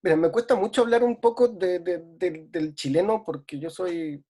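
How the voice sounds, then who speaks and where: A man's voice: high-pitched, normal speed, dark tone. A man from Ecuador speaking reflectively in a casual remote conversation, with many hesitations. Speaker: guest.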